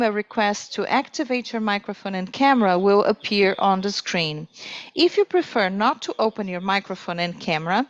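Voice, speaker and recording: A woman speaking as a conference interpreter, delivering a formal corporate presentation in a measured way. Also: mid-range voice, no echo, poor audio.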